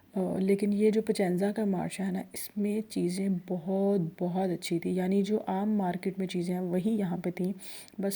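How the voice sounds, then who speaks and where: On a very clean recording with a silent background, a woman speaks at medium pitch in a dark, mellow, somewhat breathy tone with monotone, flat intonation. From Pakistan. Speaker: vlogger. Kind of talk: casual vlog talk.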